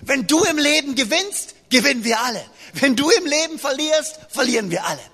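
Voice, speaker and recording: A man preaching a sermon to a congregation, lively and joking as he speaks straight to his listeners. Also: very high-pitched, a little fast. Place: church hall. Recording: long reverb of a large hall.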